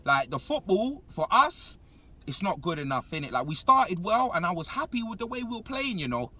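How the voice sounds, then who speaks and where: A young man, giving a comedic, slang-heavy rant as a football fan in an animated, exasperated manner. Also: high-pitched, moderate pace, recorded from a distance.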